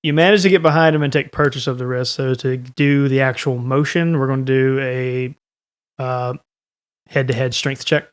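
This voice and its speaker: A man's voice: mid-range voice, fairly even intonation, moderate pace, clear, resonant tone. A man running a tabletop game, narrating off the cuff and thinking aloud as he makes rulings. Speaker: game master.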